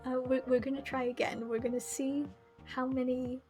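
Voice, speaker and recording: A woman's voice: high voice, level tone, moderate pace, music in the background. A woman giving casual commentary as she plays a game on a live stream.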